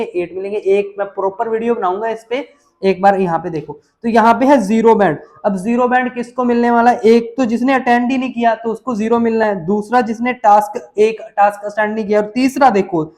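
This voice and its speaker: A man's voice: high voice, a little mellow. A man teaching exam essay writing, walking students through examples and repeating his warnings with emphasis. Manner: emphatic, repeats warnings, addresses viewers as kids. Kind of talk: explaining on-screen examples to students.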